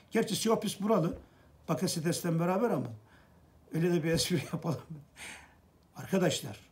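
A man's voice: sits high, darkish tone. A middle-aged man gives an earnest, preachy fan monologue to camera, repeating phrases for emphasis. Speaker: football fan vlogger.

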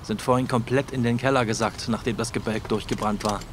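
An actor playing a plain-spoken, matter-of-fact emergency official in a radio play. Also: male voice, medium pitch, fairly even intonation, brisk, noisy background, lightly acted. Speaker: actor in an audio drama. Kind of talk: German radio play acting.

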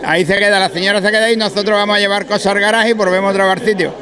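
Man, fairly high voice, explanatory, busy crowd behind. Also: steady tone, rapid-fire, sharp tone. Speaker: car owner at rally. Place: indoor hall with crowd. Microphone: interviewer's handheld mic.

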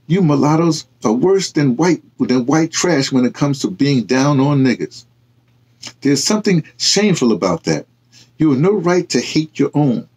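A man reading aloud and voicing a stern, blunt man lecturing his friend, emphatic and halting. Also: medium pitch, very animated, gravelly, darkish tone, slightly rough, full character voice, poor audio. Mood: scolding.

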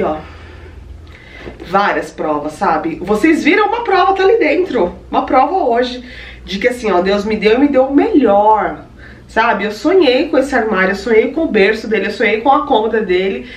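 A woman's voice: medium pitch, animated, moderate pace. A young Brazilian woman with a Brazilian Portuguese accent, chatting effusively to her viewers in a casual unboxing vlog at home. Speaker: vlogger. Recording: roomy echo, distant mic, faint ambient noise.

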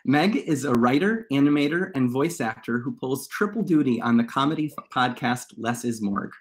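A man's voice: mid-range voice, fairly quick. A man in his thirties speaking as a panel moderator on a video call from a room at home. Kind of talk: reading scripted introductions, moderating a panel.

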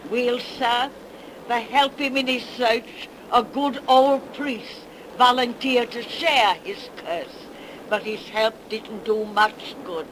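Radio horror hostess: cackling centenarian witch, rustic dialect, slow delivery, noisy vintage recording. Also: fairly high pitch. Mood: folksy, eerie. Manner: rustic, folksy dialect, slow spinning of yarns. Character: ancient cackling witch crone, 103 years old, folksy storyteller. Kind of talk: 1930s radio horror acting. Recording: noisy 1930s radio broadcast.

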